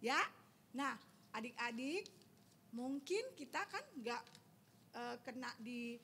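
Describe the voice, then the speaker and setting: A woman's voice: fairly high pitch, takes it slowly, slight background noise. A young woman, telling a Bible story to children as a Sunday school teacher and quizzing them as she goes. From Indonesia. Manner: lively, keeps quizzing the children.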